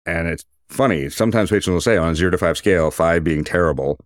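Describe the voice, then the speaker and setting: A man's voice: sits low, fast talker, no echo, clean studio sound. A man speaking as a surgeon, giving an informal, detailed medical explanation in a conversational way.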